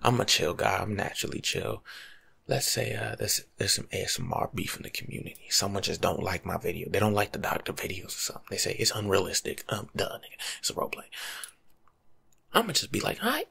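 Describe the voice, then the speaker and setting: A young American man makes an ASMR video in a small room at home, delivering a role-play monologue of casual life-coach advice in street slang. His husky, breathy voice often drops to a whisper, talks fairly quickly, and swings lively in pitch.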